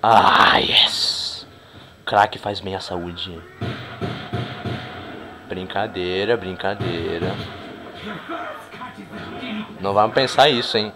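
A man giving casual, crude, joking commentary over a game he plays, breaking into excited shouts. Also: low-pitched, slow pace, pauses often, over music. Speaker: gameplay commentator.

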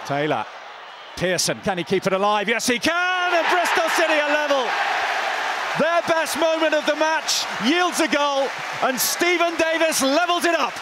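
Excitable male football commentator, high voice, roaring stadium crowd behind. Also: normal speed, very noisy. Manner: excitable, rising to shouts on goals. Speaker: match commentator.

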